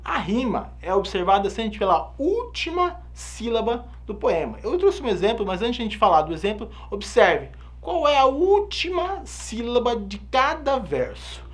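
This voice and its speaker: Brazilian male teacher with an animated, swinging voice, patiently walks students through each point. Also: extremely high pitch, normal speed, hardly any pauses. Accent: Brazilian Portuguese. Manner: explains step by step, often checking in with "tá?" and "certo?". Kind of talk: recorded online lesson.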